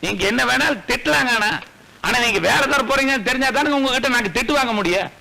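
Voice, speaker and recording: An actor playing a scheming rustic uncle who blusters and wheedles, in film dialogue over music. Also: male voice, very high-pitched, fast talker, gravelly, bright, forceful tone, heavily acted, rough recording. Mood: pleading.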